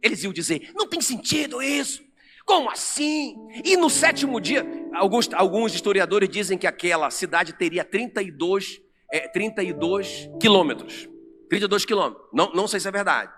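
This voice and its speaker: A man with a Brazilian Portuguese accent preaching an animated sermon to a congregation in a church. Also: sits high, brisk. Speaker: pastor. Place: church sanctuary. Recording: long church reverb with music under.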